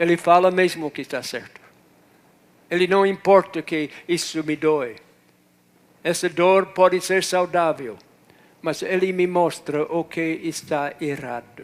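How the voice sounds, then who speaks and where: With fairly even intonation, a man with a high-pitched voice talks at a fairly slow pace, leaving long, frequent pauses. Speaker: pastor. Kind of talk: sermon.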